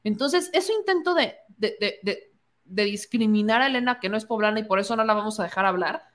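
A woman's voice: mid-range voice, expressive, a little fast, fairly bright tone. A woman with a Mexican accent giving opinionated political commentary, indignant and sarcastic, mocking the people she quotes.

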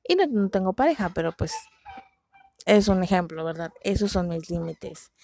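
A woman's voice: fairly low pitch, expressive, normal speed, vocal fry, darkish tone, dry recording. A young Mexican woman chatting casually about dramas and dating limits, slangy and self-mocking. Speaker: vlogger.

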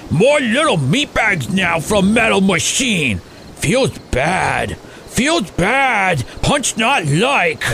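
A man playing a childlike, grumpy monster brute in an audio drama, speaking in short, blunt, broken phrases with a gravelly voice. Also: sits high, sing-song, drawn-out words, background noise, full character voice. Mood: uneasy. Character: childlike hulking monster brute, grumpy, simple-minded, fearful.

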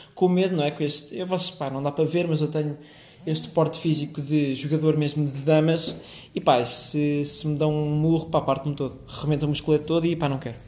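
A man's voice: on the high side, a little mellow. A young man with a European Portuguese accent hosting a casual solo podcast, rambling and swearing freely with lots of filler words. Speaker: podcast host. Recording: echoey room.

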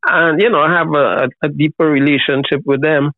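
An elderly man of seventy speaks with a Trinidadian accent in a noticeably high register. He chats reflectively and colloquially as an interview guest. The sound is thin and phone-like, with a dry, close feel and no room around it. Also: steady tone, brisk, no room sound. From Trinidad and Tobago. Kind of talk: casual conversational interview. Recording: thin, phone-like call audio.

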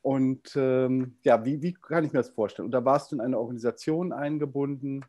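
A man's voice: medium pitch, a little fast, mellow, no room sound. A man interviewing a guest in a casual, hesitant way, with many fillers and restarts.

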